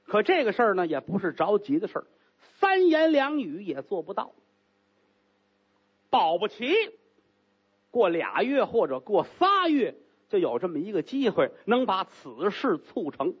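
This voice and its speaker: A man's voice: sits high, sing-song, measured pace, husky, lo-fi sound, voice pushed up, exaggerated voice. A man doing a flustered, stammering opera actor. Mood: flustered, pleading. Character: nervous male opera actor, flustered and pleading.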